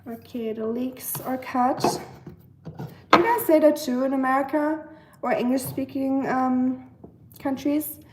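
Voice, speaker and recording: A woman's voice: high-pitched, measured pace, a little mellow. A young woman with a German accent from the Black Forest, hosting a live stream and chatting casually with viewers while she cooks, with many ums and likes. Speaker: livestream host. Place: home kitchen in the US.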